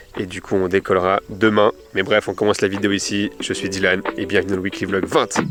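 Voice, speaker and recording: Over noticeable background noise, a man speaks at a moderate pace with fairly low pitch and monotone, flat intonation. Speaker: travel vlogger. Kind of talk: casual vlog narration. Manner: soft-spoken at start.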